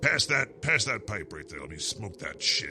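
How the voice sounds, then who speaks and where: A man uses a cartoonish character voice at a moderate pace. Clear background noise runs underneath. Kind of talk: mock Halloween poetry reading. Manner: casual, irreverent, mock-dramatic.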